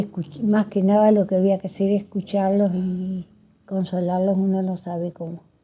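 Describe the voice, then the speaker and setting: A woman's somewhat breathy voice at medium pitch, dark and mellow in tone, at a fairly slow pace. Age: 80s+. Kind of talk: interview testimony. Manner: halting, repeating words.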